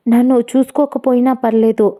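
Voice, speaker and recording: A woman's voice: fairly high pitch, steady tone, normal speed, warm tone, lightly acted. A woman voicing a fearful but defiant young wife in a storybook reading, speaking with emotion. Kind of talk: storytelling narration.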